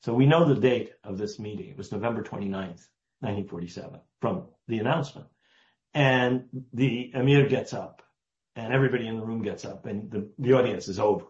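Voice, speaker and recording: A man, giving a guest's long answers in an interview, deliberate and emphatic, stressing key words. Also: on the low side. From United States. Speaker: guest historian. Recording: roomy, dull lo-fi sound.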